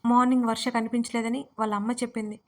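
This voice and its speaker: A worried young woman speaks urgently through tears in a romance audio story, as a woman narrator voices her. Her pitch sits fairly high. The melody barely moves. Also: little pitch movement, fast, natural voice. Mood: upset. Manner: urgent, upset.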